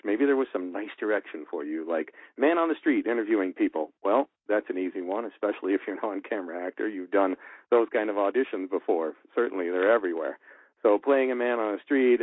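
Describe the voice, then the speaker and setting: A man with a lowish voice explains voice-acting choices from a radio producer's view, candid and loose, full of fillers. The sound is thin and phone-like, with a dry, close quality and no room around it. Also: dry recording. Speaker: radio producer and audio engineer. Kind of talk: voice-acting advice talk. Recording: tinny phone-like line, dry.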